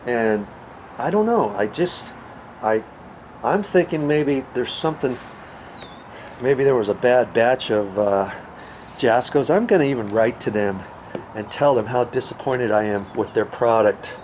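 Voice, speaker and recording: A man's voice: mid-range voice, a little slow, long pauses, darkish tone. A man hosting a casual hands-on DIY tutorial, rambling in a folksy way and asking himself questions that he then answers. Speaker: DIY video host. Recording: noisy, tool rasping and scraping sounds.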